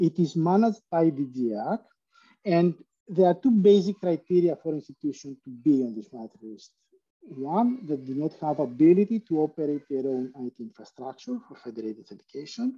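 With a Greek accent, a man at a fairly high pitch talks at a fairly quick pace in a dark, mellow tone, his pitch swinging very widely and his loudness shifting greatly. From Greece. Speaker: trainer. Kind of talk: online training presentation. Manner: fast; hesitant with repetitions. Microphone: video call.

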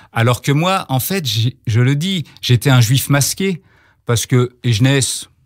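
Over a quiet background, a man of medium pitch speaks very slowly and somewhat breathily, with lively intonation. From France, Paris. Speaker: author and retired sports journalist; radio guest. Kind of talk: radio interview. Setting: radio studio. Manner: hesitant, many fillers. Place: studio. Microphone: studio mic.

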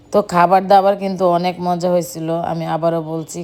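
A woman is speaking. Her pitch is fairly low. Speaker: family vlogger. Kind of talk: vlog voice-over narration. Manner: casual, chatty.

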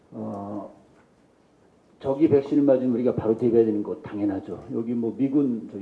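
A man speaks at a moderate pace with ordinary pitch variation. Audible room echo is present. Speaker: army general, military medical chief. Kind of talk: panel discussion. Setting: stage with audience. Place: hall. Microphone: handheld.

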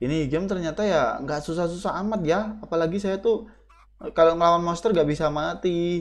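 A man's high-pitched, animated voice at a fairly quick pace with ordinary pitch variation. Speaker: gaming YouTuber. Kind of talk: casual gameplay commentary. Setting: screen recording voiceover. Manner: casual, animated, repeats filler like okay.

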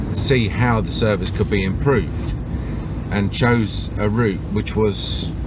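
The sound is dry with no echo as a man speaks over loud background noise. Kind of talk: casual vlog commentary. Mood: critical, somewhat rueful. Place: car. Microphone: phone near.

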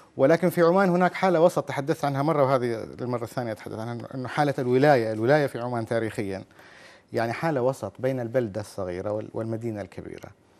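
This man talks at a very fast pace with lively intonation. His pitch is medium. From Oman, Al Majaz Al Sughra village; Oman. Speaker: writer and filmmaker; guest. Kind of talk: TV interview. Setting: studio. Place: studio. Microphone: lapel.

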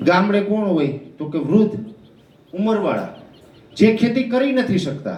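The man's voice is high in pitch. Audible room echo surrounds it. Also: lively intonation. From Gujarat, Saurashtra (Junagadh district, Gir). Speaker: weather forecaster. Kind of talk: public speech to farmers.

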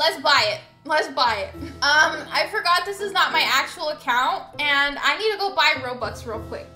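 The voice is raised and projected at a fairly slow pace. Faint music plays in the background. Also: woman. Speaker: gaming youtuber. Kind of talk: casual gameplay commentary. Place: home room. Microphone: headset.

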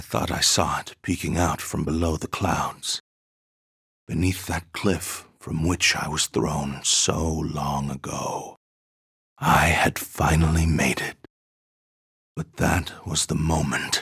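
In a put-on character voice, a man speaks with a very deep, low pitch and a raspy sound. His delivery is a flat monotone at a fairly slow pace, with long, frequent pauses. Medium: fan dub. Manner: brooding, narrative.

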